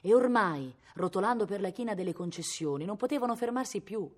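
A woman's voice: medium pitch, animated, brisk. A woman from Italy reading a novel aloud expressively, her voice rising with the drama. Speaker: reader.

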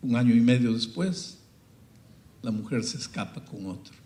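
A male pastor preaching a sermon, dramatic and storytelling, swinging between loud peaks and hushed passages. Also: medium pitch, animated, moderate pace, reverberant, a little hiss or hum.

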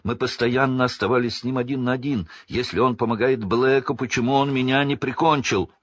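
A man's voice: medium pitch, fairly even intonation, brisk, voice pushed up, lightly acted. Man voicing a defiant teenage boy. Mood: desperate arguing.

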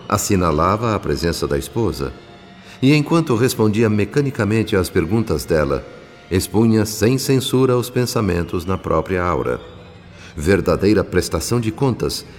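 A Brazilian actor playing a solemn spirit narrator in a radio drama, telling the tale in measured, literary diction. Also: male voice, deep voice. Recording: long reverb, music underneath.

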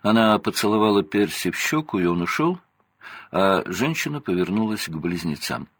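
A man reading a children's novel aloud in an expressive storytelling manner. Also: fairly low pitch, normal speed, husky, no echo. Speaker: audiobook reader. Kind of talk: scripted narration.

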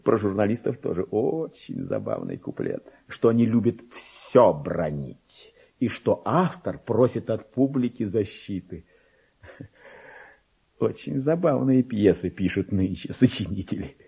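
A man's voice: on the low side, sing-song, measured pace, gravelly, mellow, husky, full character voice. An actor playing a vain, resentful middle-aged clerk in a radio play, pompous and exclamatory, as if muttering his diary to himself. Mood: pleased, musing. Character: petty forty-two-year-old male clerk, vain, resentful, self-important. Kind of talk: theatrical radio play monologue, diary read aloud.

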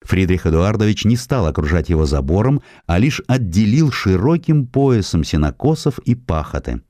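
A man narrating a historical essay as an audiobook, in a measured, expressive storytelling manner. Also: sits low, no echo, clean studio sound.

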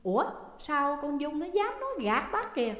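A woman playing an older Southern Vietnamese mother, anxious and easily shaken, with sharp exclamations in a high voice. The storybook reading has a roomy sound with a long echo tail. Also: sing-song, normal speed. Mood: startled. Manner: exclaiming then faint. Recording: echoey room with long reverb.

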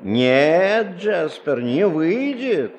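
A man acting a worldly, irritable, suspicious bank man in an audio drama, expressive and sardonic. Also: fairly high pitch, drawn-out words, crowd noise, exaggerated voice. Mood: irritated, sardonic.

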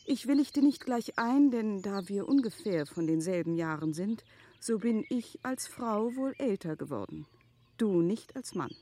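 An actress in a classic German radio play playing a prudent, gently firm middle-aged wife who speaks in measured, eloquent, formal phrases. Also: female voice, medium pitch, slight background noise, close to an everyday voice.

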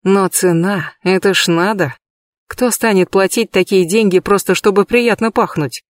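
A man giving a measured, lightly expressive first-person audiobook reading, recorded close in a booth. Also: high voice, no room sound. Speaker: audiobook reader.

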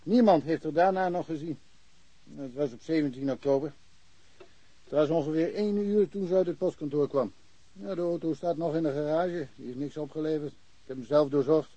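Chatty, higher-voiced small-town policeman played by a man. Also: a little fast, mellow, dry recording, highs cut off, lightly acted. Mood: matter-of-fact. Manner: rambling, dryly humorous. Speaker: actor in a radio crime drama. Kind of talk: naturalistic radio play dialogue.

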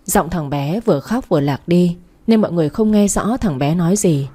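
A woman's voice: fairly low pitch, expressive, fairly quick, warm tone, breathy edge. A woman reading a first-person story aloud, voicing the characters herself. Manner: dramatic reading that voices every character.

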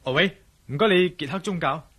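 A decisive adventurer hero in a Cantonese radio drama, speaking quickly and tersely. His voice is bright and slightly husky. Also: a little high. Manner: brisk, terse and businesslike. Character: adult male adventurer hero, calm and decisive.

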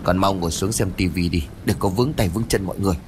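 Male narrator doing a sharp, protective young mother, curt and scolding. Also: low-pitched, very fast, background noise, natural voice.

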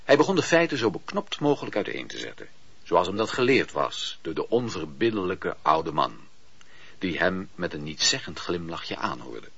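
A man reading scripted literary narration for a radio play, with a husky voice and a measured, expressive storytelling delivery. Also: deep voice. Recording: muffled, dull, dry radio play recording.

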